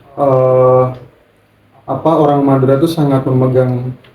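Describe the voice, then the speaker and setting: A man speaks fairly slowly in a dark, mellow tone with monotone, flat intonation, and the room echo is audible. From East Java (Situbondo, Madurese community). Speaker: designer. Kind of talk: podcast interview.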